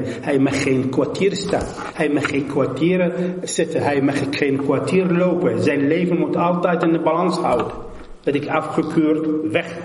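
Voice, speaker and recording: A man preaching an emotional personal testimony, slow and halting, moving between hushed words and loud pleading. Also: mid-range voice, a little hiss or hum. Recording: echoey hall with long reverb.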